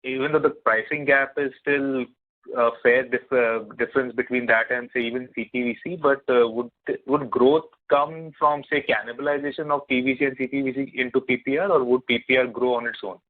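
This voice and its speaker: A man's voice: mid-range voice, steady tone, brisk. A man, an analyst putting questions on an investor call. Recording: narrow, tinny phone conference line.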